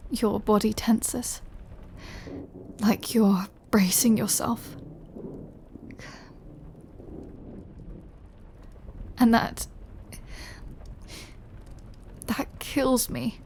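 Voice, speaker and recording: Playing a remorseful female vampire, lovesick and craving her lover's blood, a woman performs an intimate audio roleplay in a slightly high voice over slight background noise. Hurt and hesitant in mood, she speaks haltingly and confessionally, frequently sinking into breathy near-whispers.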